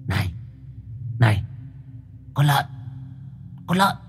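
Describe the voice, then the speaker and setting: A man's voice: on the high side, big pitch swings, faint music behind, voice pushed up. Man playing a crude bossy village lad. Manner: hushed hurried talk turning to rough scolding.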